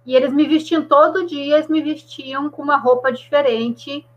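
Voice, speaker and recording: A woman chatting on a video call, telling a story in an animated way. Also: high voice, normal speed, dull audio. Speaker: live stream participant. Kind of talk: casual chat on a video call.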